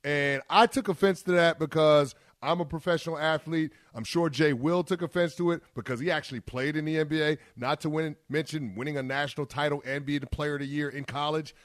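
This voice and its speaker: A man in his thirties hosting sports talk radio with a slightly high, energetic voice. He is brash and playful, delivering trash talk with confidence. The sound is dry and close-miked. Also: fairly quick, hardly any pauses, no room sound. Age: 30s. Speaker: radio sports show co-host.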